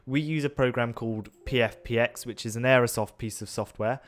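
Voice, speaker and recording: A man's voice: mid-range voice, fairly even intonation, brisk. A young man co-hosting a flight-sim tutorial, explaining things step by step with some hesitation and fillers.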